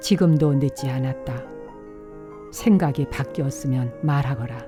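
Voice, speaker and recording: Over music in the background, a woman with a very deep, low voice speaks at a fairly slow pace with lively intonation. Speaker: Buddhist monk, author. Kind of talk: reading from own essay book. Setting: studio.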